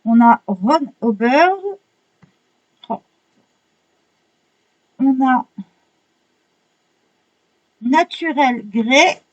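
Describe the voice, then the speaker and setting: Husky excitable woman vlogger. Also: high-pitched, extremely slow, pauses often, highs cut off. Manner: excitable, swears casually, apologizes a lot. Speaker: vlogger unboxing art supplies. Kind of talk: casual unboxing chat.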